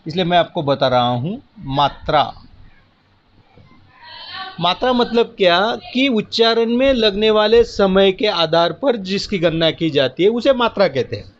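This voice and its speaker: Patient high-voiced male teacher. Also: expressive, measured pace, a little hiss or hum. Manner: patient, step-by-step explaining with counting aloud. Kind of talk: classroom lesson at a board. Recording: muffled lo-fi audio.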